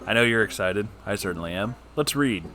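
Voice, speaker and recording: A man hosting a story-reading channel, reading online posts aloud and adding animated, casual, joking asides. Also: fairly low pitch, a little fast. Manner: animated, jokey, informal asides.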